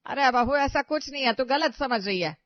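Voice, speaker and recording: A woman's voice: sits high, animated, moderate pace, dry recording. Woman voicing a flustered, put-upon mother-in-law. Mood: exasperated. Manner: pleading, exasperated scolding. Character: aging, long-suffering mother-in-law, flustered and complaining. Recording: dry, slightly dull audio.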